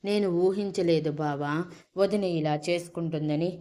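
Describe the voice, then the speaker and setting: A woman's voice: on the low side, normal speed, mellow, natural voice. A woman voicing a young sister-in-law who pleads and excuses herself in a storybook reading. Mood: pleading.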